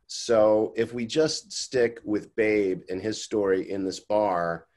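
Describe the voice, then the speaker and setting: A man's voice: on the low side, slow pace, darkish tone. A man in his fifties co-hosting a casual discussion over a video call, reflective and musing, often restarting his sentences. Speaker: co-host. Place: home room, indoors. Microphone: webcam on a video call.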